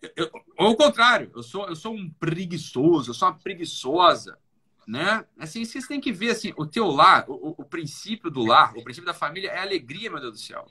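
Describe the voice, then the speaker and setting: A high, fast-talking man with a husky, slightly rough voice hosts a live stream. He talks bluntly and insistently, circling back to the same points and dropping the occasional curse word. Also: sing-song, pushed and bright. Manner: insistent, repetitive, blunt with swearing. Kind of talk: emphatic casual talk.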